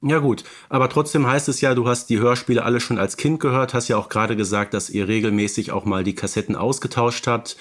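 A man's voice: mid-range voice, fairly even intonation, fast, few pauses, fairly bright tone. A man hosting a podcast, interviewing his guests in a casual, chatty style. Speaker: podcast host.

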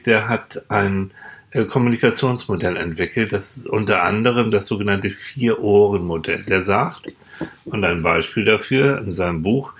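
Low-voiced man explaining haltingly. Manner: explains slowly with hesitations and fillers. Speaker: co-host. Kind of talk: casual podcast chat.

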